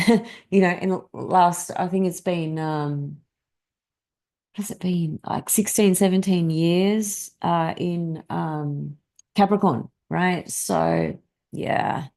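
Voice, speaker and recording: Gravelly, low-voiced woman astrologer chatting live. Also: slow, warm tone. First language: Greek. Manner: rambling, many fillers and restarts. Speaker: astrologer hosting a live stream. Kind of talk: casual live-stream talk to chat viewers.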